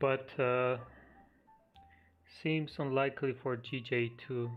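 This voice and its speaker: Music plays behind a man speaking at a very slow pace. His medium-pitched voice stays monotone and flat. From Kosovo. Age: 20s. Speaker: forex trader and livestreamer. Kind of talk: live trading stream, reading and answering chat. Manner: casual, conversational.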